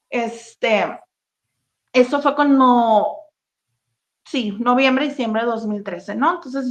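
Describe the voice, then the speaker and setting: A woman telling her own painful story as an interview guest, halting and full of fillers and restarts. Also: a little high. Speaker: interview guest sharing a personal testimony. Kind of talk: emotional personal testimony, casual talk. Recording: dull, lo-fi sound.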